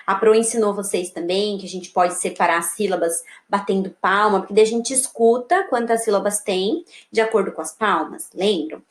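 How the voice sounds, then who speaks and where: A woman with a Brazilian accent, a primary school teacher walking young pupils through a workbook in a slow, sing-song voice that keeps checking they follow. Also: medium pitch. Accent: Brazilian Portuguese. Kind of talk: recorded remote lesson walking through a workbook. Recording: echoey room.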